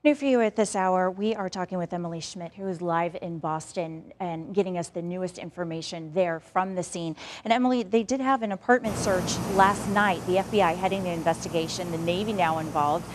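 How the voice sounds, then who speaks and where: A woman's voice: fairly low pitch, brisk, hardly any pauses. A woman anchoring a live local morning TV newscast, talking to viewers directly in a conversational way.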